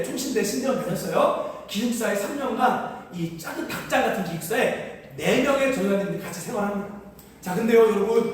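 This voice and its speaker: A male pastor preaching a sermon, asking the congregation questions and telling stories in a lively way. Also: sits high, a little hiss or hum. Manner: animated, asks the congregation questions. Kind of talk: sermon with storytelling. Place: church sanctuary. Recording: distant mic in echoey hall.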